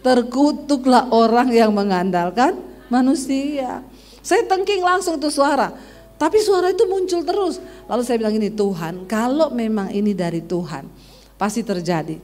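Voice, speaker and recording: A woman in her forties, a pastor, preaching a sermon as a lively, humorous story told straight to the congregation. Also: on the high side, moderate pace.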